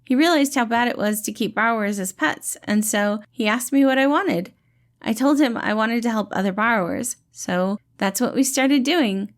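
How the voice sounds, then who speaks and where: Woman acting a tiny male healer, high-pitched, cheerful, fatherly, gently reassuring, audio storybook character. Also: moderate pace, lightly acted. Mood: upbeat, explaining. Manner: eager, reassuring, gentle, calls people kiddo.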